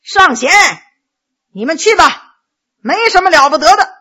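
A woman's voice: high-pitched, big pitch swings, slow, bright, forceful tone, heavily acted. A woman voicing a proud, defiant captive young prince in a Chinese storytelling performance, talking with a haughty sneer. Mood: scornful.

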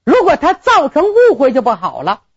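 A woman's voice: high-pitched, huge pitch swings, moderate pace, no echo, dull audio, pitched above the performer's own voice, full character voice. A woman voicing a remorseful young bride talking to herself.

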